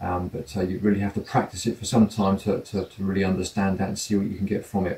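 A man at a fairly low pitch, talking at a very fast pace. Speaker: tai chi instructor. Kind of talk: live-stream class intro. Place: home room. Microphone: camera far.

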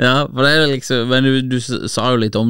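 A man speaks at a moderate pace with a Norwegian accent. The sound is dry with no echo, over a quiet background. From Norway. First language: Norwegian (speaking Swedish). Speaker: podcast host. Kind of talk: casual interview. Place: studio. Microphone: studio mic.

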